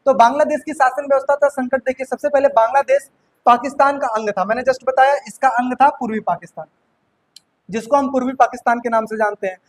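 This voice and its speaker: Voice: high voice, quick pace, low-quality recording. Teacher quizzing and answering themself. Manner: asks rhetorical questions and answers them; repeats points to drive them home. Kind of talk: classroom lecture explaining history.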